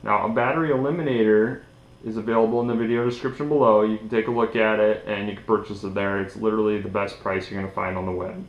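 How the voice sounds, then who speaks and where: A man's voice: fairly low pitch, steady tone, quick pace, highs cut off. A young man giving a casual, informal hands-on tutorial, sitting at a table indoors. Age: young adult. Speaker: DIY tutorial host. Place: small indoor room at a table. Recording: echoey room.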